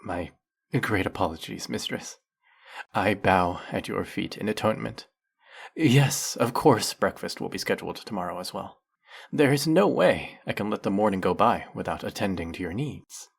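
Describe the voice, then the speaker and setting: Fantasy audio drama: man as zealous demon servant, deep husky voice, grandly reverent, flirtatious and fawning. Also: moderate pace, heavily acted. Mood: apologetic, servile. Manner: grandiose, theatrical, reverent, obsequious.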